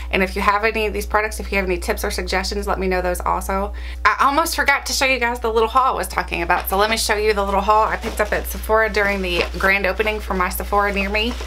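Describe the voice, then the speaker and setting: A woman with a Southern US accent talks very fast with hardly any pauses, her voice carrying audible room echo over music in the background. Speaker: beauty vlogger. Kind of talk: makeup tutorial and haul. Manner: casual, chatty.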